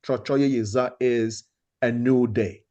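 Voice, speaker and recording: A man's voice: mid-range voice, fairly even intonation, slow pace, warm tone, dull audio. A man hosting an organization meeting, speaking earnestly and often restarting his sentences. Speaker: host of the meeting.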